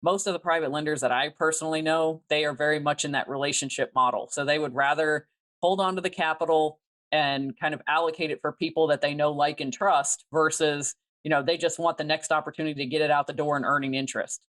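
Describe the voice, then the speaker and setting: A woman who is a private money lender, speaking as an interview guest and explaining things clearly and methodically. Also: low voice, steady tone, fast talker, a bit bright. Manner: articulate, methodical, explains step by step.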